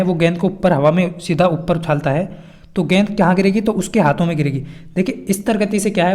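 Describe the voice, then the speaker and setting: A man's voice: high voice, darkish tone. A man teaching an exam-prep lesson, reading out quiz questions and explaining the answers with repeated key points.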